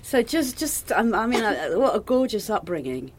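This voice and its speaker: A woman hosting a relaxed, conversational interview. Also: medium pitch, normal speed. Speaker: interviewer and host.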